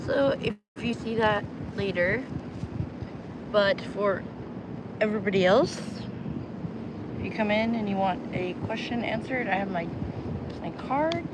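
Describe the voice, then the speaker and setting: A woman's voice: mid-range voice, expressive, measured pace, long pauses. A woman from New Mexico chatting casually on a live stream outdoors at the beach, greeting viewers and rambling between tarot readings. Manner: chatty, bubbly, rambling, laughs easily. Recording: outdoor phone audio, loud wind noise. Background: wind and loud outdoor noise.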